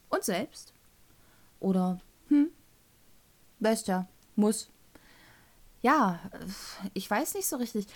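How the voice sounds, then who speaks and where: Speaking with a darkish, medium-pitched voice, a woman in her thirties hosts a casual solo podcast, rambling and using fillers while correcting herself as she goes. She has a Thuringian German accent and is from North Rhine-Westphalia, Germany.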